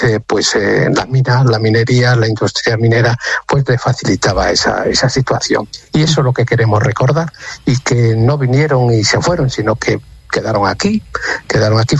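A husky-voiced man of seventy answers a radio interviewer, pausing often and restarting his phrases. His voice sits at a middle pitch. The sound is dry and close, with no room echo. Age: 70s. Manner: halting, many fillers and restarts. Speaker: association representative.

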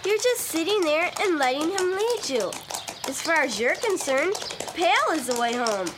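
A woman's voice: high-pitched, very animated, normal speed, background noise. A woman playing an earnest, devout young girl, eager and kind, in a children's Christian audio drama. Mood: earnest, gentle.

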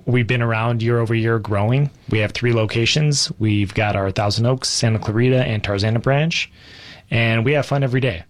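A man from Israel is a guest on a radio talk show and answers questions about his business. He talks in a friendly, relaxed, modest way from the studio. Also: mid-range voice, brisk.

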